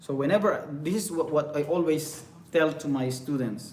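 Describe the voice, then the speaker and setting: Amid noticeable background noise and audible room echo, a man with a Filipino accent talks at a moderate pace and fairly high pitch. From Philippines. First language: Ilocano. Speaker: English teacher and vlogger. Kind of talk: live-streamed lecture. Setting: live stream to camera. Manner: halting, many repetitions.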